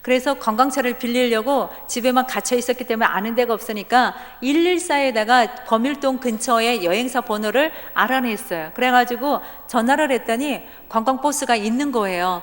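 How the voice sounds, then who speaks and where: A woman deaconess giving a testimony at a church service, telling her story in a lively way and acting out the dialogue. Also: a little high, moderate pace, hardly any pauses. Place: church sanctuary. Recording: church hall reverb.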